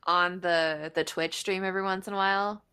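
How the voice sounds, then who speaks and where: A woman's voice: on the low side, steady tone, brisk, bright, forceful tone, clean tone. A woman co-hosting a podcast in casual chat, with an informal, playful way of talking. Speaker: podcast co-host.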